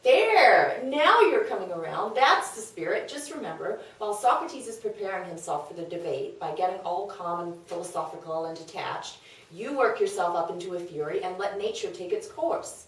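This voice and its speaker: A woman's voice: on the low side, lively intonation, normal speed, hardly any pauses, a bit bright. A woman playing a scheming, worldly confidante in a comedic table read, persuasive, knowing and emphatic. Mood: egging on. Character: scheming, worldly, brash female confidante of a wife. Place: echoey room, away from mic. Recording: very echoey room, distant mic.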